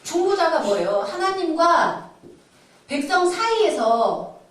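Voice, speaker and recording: A woman's voice: very high voice, sing-song, takes it slowly. A woman teaching a Bible study lecture, acting out the laments she quotes with sighs. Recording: very echoey room, mic far off.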